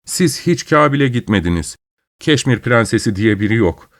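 A man voicing a calm, cold manservant who patiently explains things. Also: medium pitch, moderate pace, no room sound, clean studio sound, natural voice. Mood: cool. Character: cool, superior manservant who is secretly a good angel.

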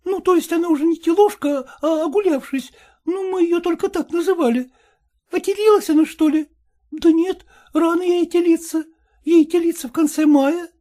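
A woman's voice: very high voice, moderate pace, dark tone. A woman voicing an eager, impatient young peasant woman who presses and pleads in folksy speech. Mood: fretful.

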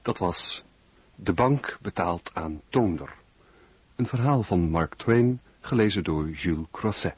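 A man announcing the closing credits in a calm, formal manner. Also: deep voice, slow pace, slightly rough, no room sound.

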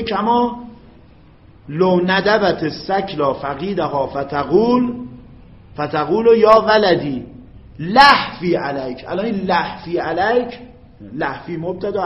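A man teaching Arabic grammar in a classroom lecture, stretching out his example phrases in a slow, drawn-out chant and checking often whether his students follow. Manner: checks understanding with quick questions to students. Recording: echoey, dull low-fi classroom recording.

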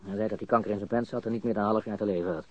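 An actor in a radio crime drama playing a nervous, bitter small-time crook who stammers and talks in slang while confessing under interrogation. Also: male voice, on the low side, steady tone, very fast, slight background noise, close to an everyday voice. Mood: baffled, unnerved. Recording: dull lo-fi studio radio recording.

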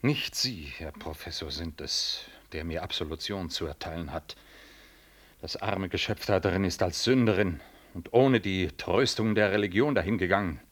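A Catholic priest in a 1960s radio play. He speaks on the low side, with solemn, deliberate formality. He sounds stern, dutiful and quietly righteous. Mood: cold reproach. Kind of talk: 1960s German radio drama acting.

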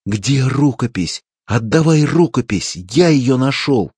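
A man voicing a greedy, fat male street photographer who screams in a shrill, frantic way in an audiobook. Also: a little slow, darkish tone, breathy edge, no room sound. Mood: furious.

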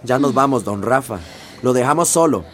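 An actor playing a pushy, sarcastic citizens' committee leader confronting the mayor in a radio drama. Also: male voice, mid-range voice, lively intonation, normal speed, natural voice. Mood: indignant.

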